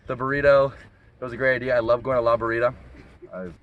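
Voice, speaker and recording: A man's voice: medium pitch, fast, phone-quality sound. A young man, a college quarterback whose first language was Spanish, talking earnestly and openly to reporters outdoors. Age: young adult. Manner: earnest, relaxed and talkative. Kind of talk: outdoor media interview.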